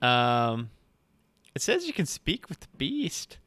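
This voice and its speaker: A man's voice: mid-range voice, wildly swooping pitch, takes it slowly, fairly bright tone, no room sound. A man running a tabletop game as game master, narrating casually and thinking aloud with some hesitation.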